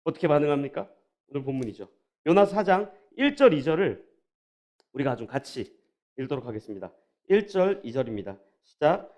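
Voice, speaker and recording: A male pastor delivers his sermon in a high, lively voice that swings widely up and down. He keeps putting rhetorical questions to the people in front of him and speaks to them directly. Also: brisk. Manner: animated preaching with many rhetorical questions; draws the congregation in, addressing them directly.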